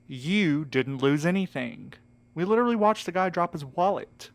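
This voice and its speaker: An actor in an audio drama playing an earnest, protective friend, direct and plain-spoken with mild sarcasm. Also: male voice, on the high side, expressive, normal speed, creaky. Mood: exasperated. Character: earnest, protective, exasperated male friend and mediator.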